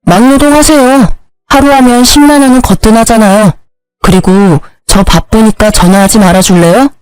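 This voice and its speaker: A woman's voice: on the high side, fairly even intonation, moderate pace, a little mellow, clear, resonant tone, no echo, soft background music, lightly acted, rough recording. Brief: woman voicing a clever young son, cold and mockingly polite, dry audio story.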